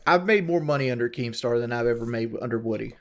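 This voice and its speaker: A man's voice: mid-range voice, fast. A man in a casual podcast argument, ranting bluntly about his opinions.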